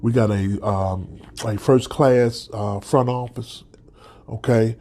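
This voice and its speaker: A man's voice: medium pitch, steady tone, takes it slowly, warm tone. A man hosting a solo sports podcast, stuffed up from a cold, talking as a passionate fan with many restarts and "okay?" tags. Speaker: podcast host.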